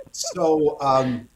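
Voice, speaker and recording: A man's voice: a little high, a little hiss or hum. Rambling middle-aged male storyteller. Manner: rambling anecdotal storyteller, self-interrupting. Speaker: guest author. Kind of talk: casual interview chat.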